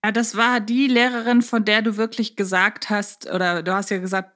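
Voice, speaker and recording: A woman's voice: mid-range voice, little pitch movement, normal speed, fairly bright tone. A woman talking in a conversational, analytical way as co-host of a casual podcast discussion.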